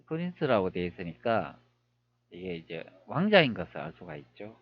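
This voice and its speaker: A man's voice: on the low side, very animated, normal speed, gravelly, dull audio. A man talking viewers through old images on screen, wondering aloud with many rhetorical questions. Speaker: history video creator. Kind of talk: screen-recorded commentary.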